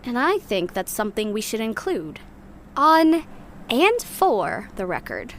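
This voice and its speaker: Blunt young rebel woman, dry n sardonic audio drama log, highish voice, takes her time. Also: big pitch swings, measured pace, a little hiss or hum. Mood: sardonic, determined.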